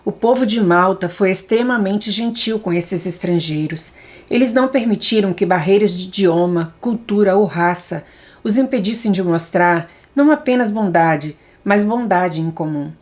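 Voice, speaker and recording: A woman's voice: mid-range voice, moderate pace, a little mellow. A Brazilian woman reading a Christian book aloud in the manner of an audiobook. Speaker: audiobook reader.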